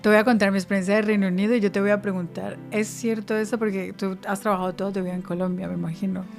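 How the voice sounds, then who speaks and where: Woman guesting on a podcast, pretty flat delivery, explains things calmly, faint guitar music in the back. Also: medium pitch, rapid-fire, vocal fry. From Spain. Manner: explanatory, evenly paced answers. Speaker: podcast guest, career advisor. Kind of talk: interview podcast.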